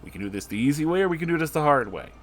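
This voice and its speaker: A man's voice: fairly high pitch, very animated, very fast, pitched above the performer's own voice. A man voicing a stern, matter-of-fact male police officer, firm and by the book, in a narrated comic story. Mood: firm warning.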